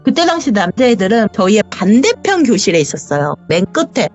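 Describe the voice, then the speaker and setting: Animated woman caller on a muffled line. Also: medium pitch, brisk, faint music behind. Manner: vivid, acts out the dialogue. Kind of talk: telling a true ghost story. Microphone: voice call. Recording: dull lo-fi voice call.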